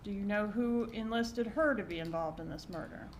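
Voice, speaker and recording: A woman prosecutor conducts a direct examination. Her voice sits at an average pitch for a woman, and she asks short, pointed questions. The courtroom recording carries some faint noise. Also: moderate pace.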